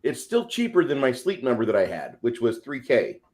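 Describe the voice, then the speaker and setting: A man's voice: mid-range voice, sing-song, brisk, darkish tone. A man in his forties co-hosting a casual livestream, talking bluntly and swearing freely. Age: 40s. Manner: blunt, profane. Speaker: show co-host.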